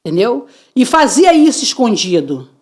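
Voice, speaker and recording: A middle-aged woman from Brazil, a podcast guest telling her testimony with lively acted-out voices and frequent laughter. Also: fairly high pitch, moderate pace. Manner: lively, acts out quoted voices, laughs often. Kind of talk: animated testimony storytelling.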